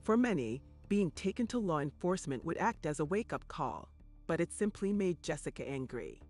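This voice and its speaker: A man reading scripted true crime documentary narration in a grave, measured way. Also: a little high, lively intonation, a little mellow, soft background music.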